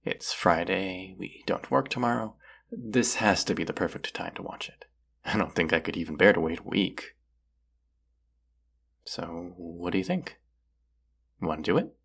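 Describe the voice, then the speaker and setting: Man acting a husky, very gravelly young romantic crush. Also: exaggerated voice. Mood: playful, teasing. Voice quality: husky, breathy, gravelly low voice. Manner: slow, hushed, teasing, trailing pauses. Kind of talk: intimate romantic audio roleplay.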